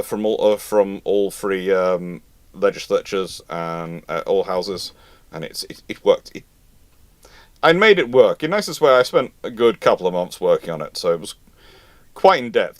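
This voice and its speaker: A man's voice: fairly low pitch, no room sound. A man hosting a live question-and-answer stream, talking casually and emphatically, often breaking into laughter. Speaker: host of a live history Q&A.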